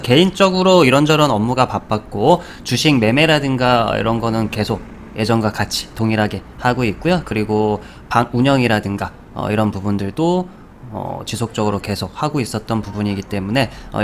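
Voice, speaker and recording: A man hosts a stock market video in a relaxed, chatty way. He walks through charts as he talks, tosses out rhetorical questions and little puns, and fills his pauses with small hesitations. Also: mid-range voice, slight background noise. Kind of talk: casual explanatory talk over charts.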